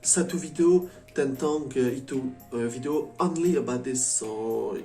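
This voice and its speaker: A French vlogger with a mellow, medium-pitched voice and a French accent chats casually to camera as a foreigner learning Indonesian, speaking it haltingly and repeatedly switching to English. The sound is echoey and distant from the mic, with faint music.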